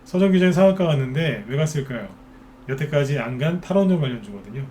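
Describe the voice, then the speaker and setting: Man giving fast-talking stock commentary. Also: fairly high pitch, lively intonation, mellow, slight background noise. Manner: rhetorical questions, mimics worried investors. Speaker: stock market expert host. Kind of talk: casual stock commentary broadcast.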